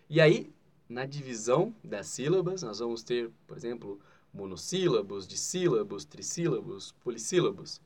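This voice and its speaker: Brazilian man teaching grammar. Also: medium pitch. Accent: Brazilian Portuguese. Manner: explanatory, with frequent "né?" asides and spoken emphasis. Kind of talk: Portuguese grammar lesson.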